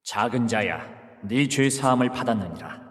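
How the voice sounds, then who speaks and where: A man's voice: mid-range voice, lively intonation, normal speed, fairly bright tone, lightly acted. An actor playing a solemn grown man who speaks with authority in a dramatized scripture reading. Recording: long reverb.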